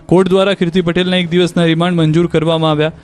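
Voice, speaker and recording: A man's voice: a little high, little pitch movement. A man narrating a news report in a scripted, emphatic voice-over. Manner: fast, emphatic news delivery.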